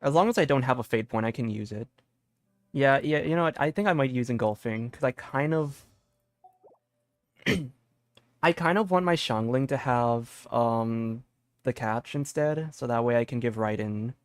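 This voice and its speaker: Casting: young man, game streamer, excitable rambling chatter, average pitch, dry close mic, music underneath. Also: normal speed, dry recording. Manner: excitable, rambling, repeats words. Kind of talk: casual live gameplay commentary.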